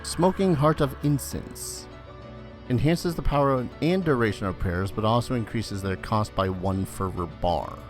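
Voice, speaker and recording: A let's play host with a lowish voice and lively intonation talks a little slowly over video game music. He gives casual commentary on the game, muttering asides with some mild swearing and sometimes reading the game's text aloud.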